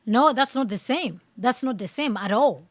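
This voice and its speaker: High-voiced, emphatic woman commentator from Malawi. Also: expressive, moderate pace, no room sound, studio quality. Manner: emphatic, repeats phrases for stress. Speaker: podcast host giving commentary. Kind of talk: casual reaction commentary.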